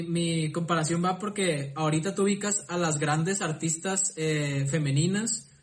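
A man in a casual podcast chat, thinking aloud with frequent restarts and repeated words. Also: sits high. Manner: thoughtful, hesitant, many restarts and repeated words. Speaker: podcast participant.

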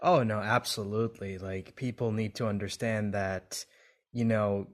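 A man's voice: on the low side, steady tone, measured pace. A man hosting a casual podcast conversation, talking eagerly with lots of "like" fillers. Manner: eager and chatty, many "like" fillers. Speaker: podcast host.

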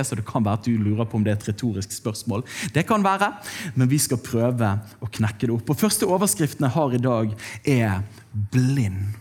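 Husky preacher, conversational sermon. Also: male voice, medium pitch, a little mellow. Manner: conversational, rhetorical questions to the congregation. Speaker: pastor. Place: church.

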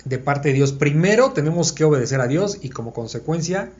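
A man's voice: on the high side, expressive, a little fast, a little mellow. A man leads a conversational Bible study for a small group. He thinks aloud and keeps checking that his listeners are following. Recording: dull lo-fi recording.

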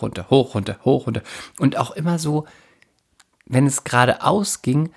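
A woman from the Palatinate in Germany chatting casually and telling comic anecdotes with dramatic, animated delivery. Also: extremely low pitch, vocal fry, slightly rough. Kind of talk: casual comedic chat and anecdotes.

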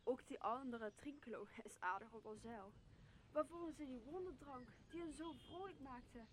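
Woman acting curious noble traveller, high voice, theatrical, questioning, radio drama, noisy amateur recording. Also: normal speed, lightly acted. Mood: scornful wonder.

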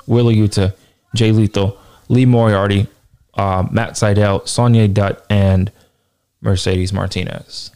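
A man with a hoarse, tired voice reads a wrestling announcement aloud, then gives his opinion with emphatic repetition. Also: fairly low pitch, dark tone. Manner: emphatic, repeats points for stress. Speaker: wrestling news commentator.

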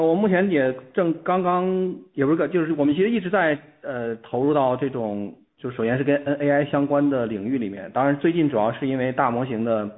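A man, a company executive, answering questions on an earnings call in a halting way, often restarting phrases. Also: medium pitch. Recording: muffled narrowband phone line.

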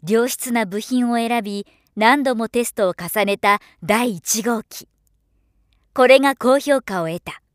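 A middle-aged woman voiceover professional reading scripted narration with polished, clearly articulated delivery. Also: fairly high pitch, no room sound. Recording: dry studio voice recording.

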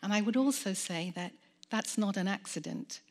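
A woman's voice: medium pitch, normal speed. Firm, earnest woman professor on a panel. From Caribbean. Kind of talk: live panel discussion.

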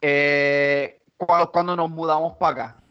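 A Puerto Rican man talking casually as a podcast guest, with a voice a little higher than most men's. He stumbles and restarts often, dropping English words into his Spanish. The sound is somewhat dull and muffled. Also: fairly even intonation, fairly bright tone. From Puerto Rico. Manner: halting, many restarts, slips into English. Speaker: guest comedian.

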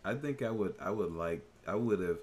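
A man's voice: deep voice, expressive, moderate pace, a little mellow, a little hiss or hum. A man co-hosting a podcast, talking casually and hesitantly with many fillers and restarts. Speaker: podcast co-host. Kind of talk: casual chat.

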